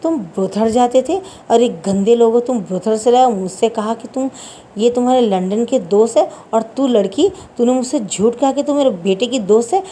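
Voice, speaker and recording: A woman voicing a stern, quick-tempered wealthy mother who scolds, in a spoken story. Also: fairly high pitch, dark tone, slight background noise, natural voice. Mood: angry.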